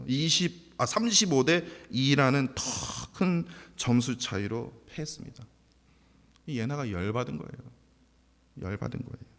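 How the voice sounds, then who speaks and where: A man's voice: on the high side, fairly bright tone. A pastor, a man, preaching a sermon and telling a story animatedly, laughing now and then. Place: church sanctuary. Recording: long church hall reverb.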